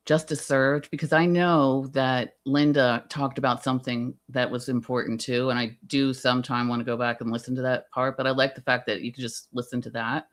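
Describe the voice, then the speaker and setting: A woman chatting casually on a livestream, agreeable and quick to jump in. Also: extremely low pitch. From Guatemala.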